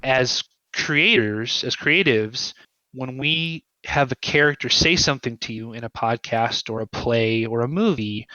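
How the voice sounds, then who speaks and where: A man being interviewed as a guest writer, explaining his ideas conversationally in a thoughtful, halting way and often checking in with "right?". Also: mid-range voice, bright, forceful tone, no echo, muffled recording.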